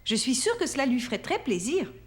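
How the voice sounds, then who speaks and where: A woman's voice: sits high, big pitch swings, fairly quick. A woman playing a kind, encouraging young mother in a children's cartoon, speaking affectionately. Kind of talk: French children's cartoon dialogue.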